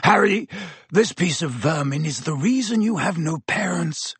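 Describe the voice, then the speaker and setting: A man's voice: medium pitch, very animated, a little slow, gravelly, husky, no room sound, exaggerated voice. A man voicing a furious, vengeful man for an audiobook, bitter and menacing, with a roaring, snarling delivery. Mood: snarling anger.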